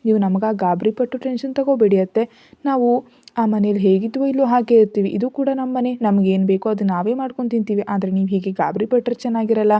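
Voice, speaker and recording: A woman voicing a caring young daughter-in-law in a storybook reading, gentle and reassuring. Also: mid-range voice, fast, no echo, muffled recording, natural voice.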